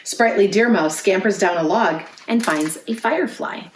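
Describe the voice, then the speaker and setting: A woman's voice: mid-range voice, moderate pace, background noise. Echoey woman reading storytime to young children. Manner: clearly phrased, interactive, asks children questions. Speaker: children's librarian, storytime host. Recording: roomy, echoey indoor sound.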